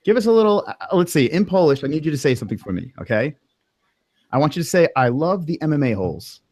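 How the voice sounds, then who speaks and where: Lively New York man hosting. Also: on the high side, fast, no room sound. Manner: joking, laughs often, stumbles over words. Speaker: host. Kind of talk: casual livestream interview.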